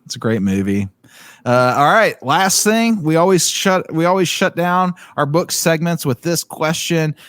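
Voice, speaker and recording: A man hosts a relaxed book club podcast and throws in "dude" and "bro" as he goes. His pitch rises and falls a great deal, and the close, dry sound has no room echo in it. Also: measured pace. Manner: laid-back, says "dude" and "bro". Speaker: podcast host. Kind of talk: casual book club chat.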